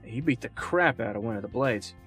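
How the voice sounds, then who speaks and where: An actor playing an easygoing, slightly fumbling junior detective in an audio drama, speaking casually and hesitantly. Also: male voice, medium pitch, expressive, fairly quick, a bit bright, soft background music, close to an everyday voice.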